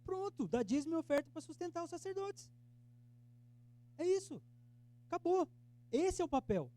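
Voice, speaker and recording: High-voiced Brazilian pastor teaching. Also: male voice, very animated, moderate pace. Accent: Brazilian Portuguese. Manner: asks the class questions and acts out their replies; emphatic, shifts between loud exhortation and soft earnest tones. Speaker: pastor teaching Sunday school. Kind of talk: interactive Bible class sermon.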